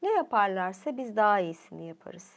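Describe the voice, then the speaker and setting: A woman's voice: mid-range voice, sing-song, fairly quick. Woman doing a boastful scornful dwarf smith. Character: proud boastful dwarf craftsmen brothers.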